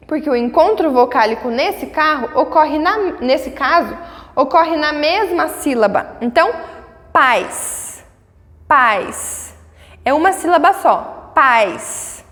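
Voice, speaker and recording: A Brazilian woman teaching a grammar lesson, patiently checking in with her students and sounding out words slowly syllable by syllable. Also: high voice, big-room sound. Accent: Brazilian Portuguese. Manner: patient, checks in often with tags.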